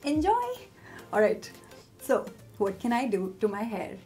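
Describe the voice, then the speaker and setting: A woman's voice: fairly high pitch, sing-song, measured pace, mellow, soft background music. A young woman giving hair care tips to camera in an emphatic, direct, chatty way. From India. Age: young adult. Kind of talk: casual instructional talk to camera.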